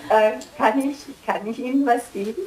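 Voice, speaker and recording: A woman's voice: on the high side, normal speed. A woman in an audience, hesitantly sharing something personal at a microphone. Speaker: audience member. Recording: echoey room with background noise.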